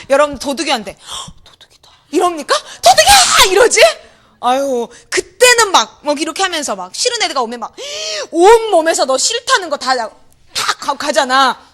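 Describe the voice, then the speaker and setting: Animated high-voiced woman preaching. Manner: animated, acts out quoted voices, shouts and laughs. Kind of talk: energetic sermon. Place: church hall.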